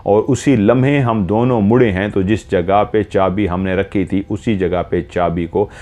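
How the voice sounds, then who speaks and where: A man narrating a horror story in the first person, slow and measured, retelling events step by step. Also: lowish voice, steady tone, dark tone.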